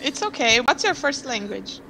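A woman's voice: high voice, big pitch swings, normal speed, creaky, pushed and bright, slight background noise, poor audio. A young woman from Brazil, tutoring on a headset over a video call and asking patient, curious questions. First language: Portuguese. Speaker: language tutor. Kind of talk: online tutoring session.

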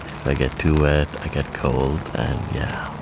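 Very deep, slow, hesitant man. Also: level tone, background noise. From Norway. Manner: hesitant, many fillers and restarts, hushed at times. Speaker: wildlife photographer. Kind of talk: casual vlog narration. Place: small blind in a forest, outdoors.

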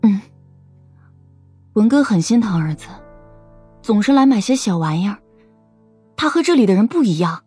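A woman's voice: medium pitch, very animated, moderate pace, long pauses, warm tone, breathy edge. A woman playing a candid, observant teenage shopgirl in an audio drama. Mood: earnest. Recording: music behind the voice.

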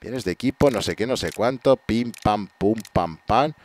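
A young man from Spain commentating his live gameplay, excitable and swearing, talking to viewers and to the game. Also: fairly low pitch, moderate pace. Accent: Spain Spanish. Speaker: gaming streamer. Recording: loud background game noise.

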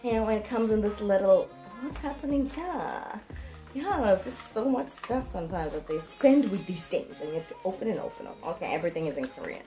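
A woman in her thirties chatting casually to viewers in a playful, animated, self-mocking way, recorded at home a step from the camera. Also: medium pitch, fairly quick, loud music behind the voice. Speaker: vlogger. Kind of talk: casual chatty unboxing vlog. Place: room at home.

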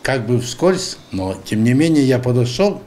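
A man in his seventies tells his story in an interview at home. His voice sits at a middle pitch, his phrases come haltingly and deliberately, and there is a faint noise in the room. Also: sing-song, a little mellow. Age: 70s. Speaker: retired navy warrant officer, interviewee.

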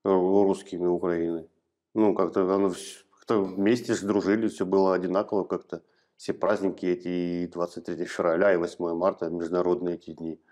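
A man in his thirties from eastern Ukraine, giving hesitant, halting answers in an interview in a small office, recorded on a lapel mic. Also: low-pitched, level tone, darkish tone. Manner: hesitant, halting, plain-spoken. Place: small office room, indoors. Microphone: clip-on lapel mic.

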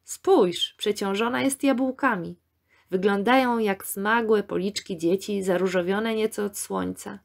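A woman's voice: mid-range voice, a little slow, creaky. A woman reading the part of an eager, cheerful young man student in an audiobook, in close to her own voice.

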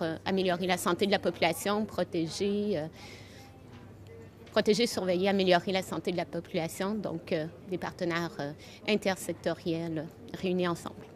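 A woman in her thirties with a Quebec French accent, earnestly defining a concept, repeating words as she searches. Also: lowish voice. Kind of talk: vox pop interview answer.

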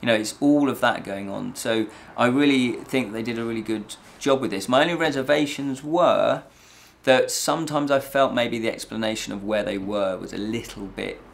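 A man's voice: medium pitch, normal speed, vocal fry. A middle-aged man giving a casual, rambling review to camera, often repeating and rephrasing himself. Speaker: host of a fantasy review show. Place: small indoor set with draped backdrop.

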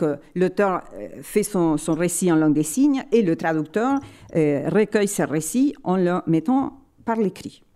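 Speaking with a lowish, mellow voice, a woman lectures academically at a library conference. Her delivery is measured and explanatory, broken by frequent pauses as she hunts for words.

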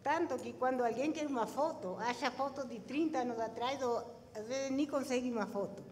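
A woman in her sixties from Chile with a Chilean Spanish accent, speaking deliberately in short phrases as a guest on a panel. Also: high-pitched, darkish tone. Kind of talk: personal account in an onstage interview. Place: stage in a conference hall with seated audience. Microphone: handheld microphone. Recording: reverberant hall, background room noise.

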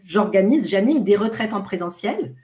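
A woman's voice: medium pitch, lively intonation, normal speed, warm tone. A middle-aged woman with a light Swiss French accent, talking as a guest over a video call, often hesitating and restarting phrases. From France, of American parents. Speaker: guest, detox retreat organizer. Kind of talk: casual video-call interview. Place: home room.

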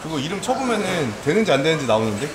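A man's voice: a little high, big pitch swings, rapid-fire. A young man chatting casually as the vlogger's companion, easygoing and full of suggestions. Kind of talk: casual chat. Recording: clear background noise.

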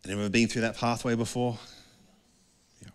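Middle-aged pastor, earnest and chatty, mid-pitched voice, long hall reverb. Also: male voice, little pitch movement, a little fast, clean tone. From Australia. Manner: conversational, earnest, asks the crowd questions. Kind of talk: sermon. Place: dark indoor stage with a couch. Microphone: handheld mic.

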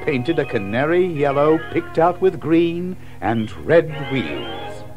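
A man's voice: fairly high pitch, sing-song, takes it slowly, darkish tone, muffled recording, faint music behind. A man narrating a children's story from a script in a storybook style.

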